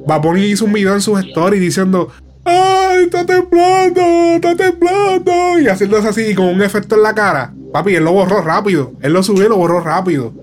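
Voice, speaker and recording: Puerto Rican guy, casual podcast chat, animated and slangy, slightly high pitch. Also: fast talker, few pauses. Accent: Puerto Rican Spanish. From Puerto Rico. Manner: animated, slangy, acts out quotes in high voices.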